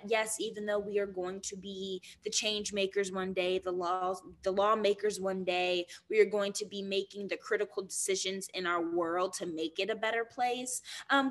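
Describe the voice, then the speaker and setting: A woman's voice: mid-range voice, fairly bright tone. A young woman speaking earnestly in a remote interview, with many ums and restarts, heard over a laptop mic on a video call. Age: young adult. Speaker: guest actor.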